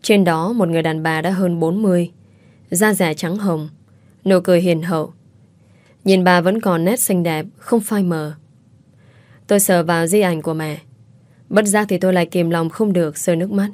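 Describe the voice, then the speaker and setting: A woman narrates a first-person audiobook story in a calm, reflective way, keeping an even, unhurried reading tone. Her voice is on the low side and sounds close and dry, with no room around it. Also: no room sound.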